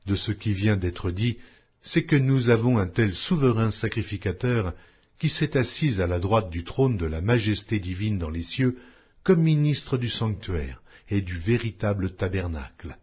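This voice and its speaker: A man narrating an audio Bible in a solemn, measured, declamatory reading style. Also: lowish voice, slightly rough. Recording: dull lo-fi audio.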